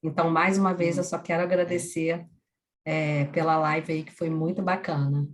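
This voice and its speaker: Woman, low voice, webinar host, measured formal delivery. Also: flat delivery. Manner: measured, formal thanks with fillers. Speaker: event host. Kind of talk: hosting a live webinar.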